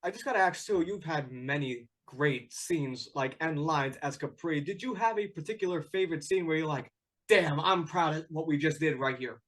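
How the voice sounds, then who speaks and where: A man's voice: on the high side, normal speed, a bit bright, poor audio. An American man hosting an interview, an eager fan who often stumbles over his words. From United States. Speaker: podcast host. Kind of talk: casual interview.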